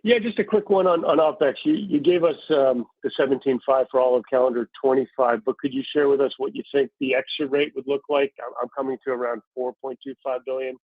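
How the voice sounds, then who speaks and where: A man asking a financial analyst's follow-up on an earnings call, brisk and checking his own figures. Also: medium pitch, fairly even intonation, dry recording. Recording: dry, tinny phone line.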